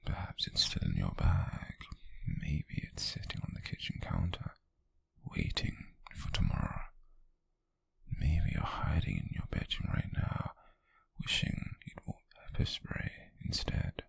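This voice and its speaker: In a close-mic ASMR roleplay, a British man voices an obsessive, possessive stalker in a slow, breathy, raspy whisper that's teasing and sinister. His bass voice swings widely in pitch, the recording is dry, and the performance is heavily acted, carrying a teasing menace.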